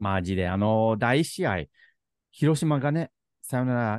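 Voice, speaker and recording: A man's voice with very wide pitch swings, in a dry, close sound with no echo over a quiet background. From Canada. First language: English (speaking Japanese). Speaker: podcast host. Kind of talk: casual chat.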